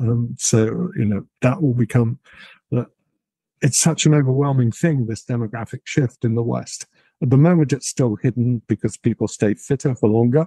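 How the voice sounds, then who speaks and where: In a British accent, a man speaks at a moderate pace and medium pitch, his somewhat breathy voice dark and mellow in tone, with ordinary pitch variation and a dry, close sound with no echo. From England. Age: 60s. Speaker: historian and professor. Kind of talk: interview conversation. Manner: hesitant, many fillers.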